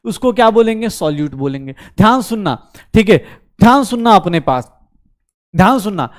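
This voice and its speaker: A male chemistry teacher, giving an online class lecture in a brisk, coaxing way, asking questions and answering them himself. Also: sits high, big pitch swings. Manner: mixes Hindi with English terms, calls students beta.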